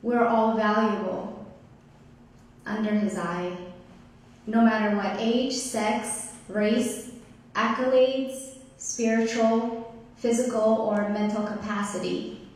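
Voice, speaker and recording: A woman from Ethiopia in her thirties giving a prepared community talk as guest speaker, slow and deliberate. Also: fairly high pitch, fairly even intonation. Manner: slow, deliberate, measured delivery. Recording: echoey hall, distant mic, faint noise.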